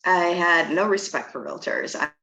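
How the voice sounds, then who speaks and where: A woman's voice: on the low side, lively intonation, moderate pace, bright, forceful tone, poor audio. A woman in middle age from Trinidad, speaking frankly and conversationally as an interview guest. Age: middle-aged. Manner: frank, plainspoken. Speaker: interview guest, real estate agent.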